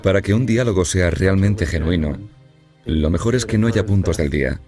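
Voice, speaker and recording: A man, organizer of dialogue meetings, explaining his project calmly in a dubbed interview. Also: low voice, moderate pace, soft background music.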